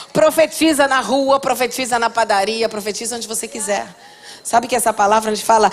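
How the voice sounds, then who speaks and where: A middle-aged woman pastor preaching a passionate sermon, swinging from hushed to loud exhortation. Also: sits high, a little hiss or hum.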